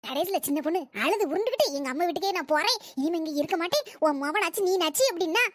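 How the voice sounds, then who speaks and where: A woman's voice: very high-pitched, animated, quick pace, no room sound, clean studio sound. A woman voicing a scheming neighbor who spreads gossip, in a cartoon comedy. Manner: breathless storytelling gossip.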